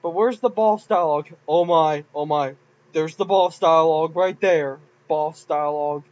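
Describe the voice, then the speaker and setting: A man's voice: on the high side, normal speed, a little mellow, highs cut off. A man casually commenting on his own game files, rambling and giggly. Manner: rambling, giggly, self-mocking. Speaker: game modder.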